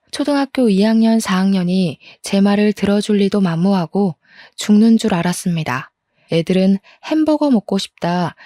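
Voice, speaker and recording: A woman narrating a personal story in the first person, chatty and confiding, with an exasperated edge. Her voice is mellow and warm, recorded close and dry with no room sound. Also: medium pitch, no echo. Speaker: storyteller reading a listener's story.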